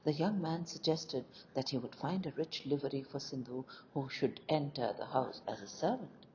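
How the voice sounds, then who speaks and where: A woman narrating a scripted folk tale as an audio story, with deliberate, expressive delivery. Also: extremely low pitch. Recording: dull lo-fi recording with faint noise.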